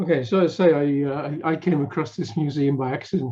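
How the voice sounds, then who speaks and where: The speaker has a Northern English accent and talks at a very fast pace. Pitch variation is ordinary. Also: man. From Northern England. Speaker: radio museum director and radio restorer. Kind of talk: presentation on a video call. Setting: video call.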